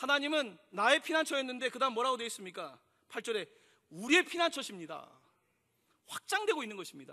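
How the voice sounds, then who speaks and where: A man's raised, projected voice with an extremely high pitch and a bright, sharp tone, very wide pitch swings, big swings in loudness, a fairly quick pace and long, frequent pauses, over a quiet background. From South Korea. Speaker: pastor. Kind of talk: sermon. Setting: church. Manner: hesitant fillers. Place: church. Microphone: podium.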